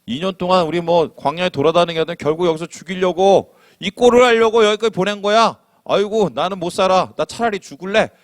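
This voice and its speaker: A wailing grown man, fed up and despairing, as a preacher acts him out. His voice jumps high and loud. The sound is dry and close. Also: a little fast, few pauses, dry recording, lightly acted. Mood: whining. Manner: wailing, exasperated. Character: whining, despairing complainer, adult man.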